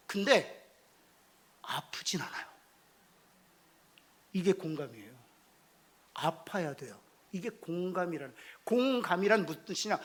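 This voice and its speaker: A man's voice: sits high, fairly bright tone. A male pastor preaching a sermon, engaging the congregation with questions and calls to respond.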